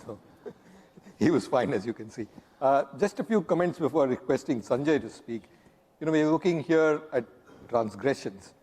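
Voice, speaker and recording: A hoarse man, courteously moderating a panel. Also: mid-range voice, animated, normal speed, a little mellow. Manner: courteous, introducing speakers. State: hoarse, losing his voice. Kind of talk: panel discussion. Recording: long hall reverb.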